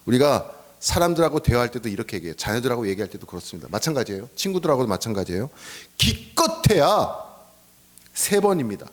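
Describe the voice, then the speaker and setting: A man's voice: mid-range voice, fast. A middle-aged man preaching a sermon as pastor, asking the congregation questions and sometimes dropping to a whisper. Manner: animated preaching, drops to a whisper in acted prayers.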